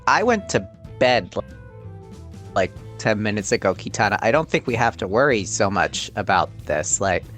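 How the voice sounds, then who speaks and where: A man's voice: on the low side, big pitch swings, normal speed, a bit bright, soft background music. Casual man playing a tabletop game. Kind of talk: casual improvised role-play banter.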